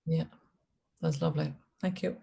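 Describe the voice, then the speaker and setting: Low-pitched west of Ireland woman, casual. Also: fairly even intonation, moderate pace, creaky, warm tone, husky. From Galway, west of Ireland. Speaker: meditation attendee. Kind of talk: casual chat. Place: online video call.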